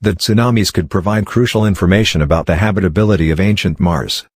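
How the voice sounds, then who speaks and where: A man's voice: sits low, fast, slightly rough, no echo, clean studio sound. A man giving a scripted read-aloud of academic passages as a model reader.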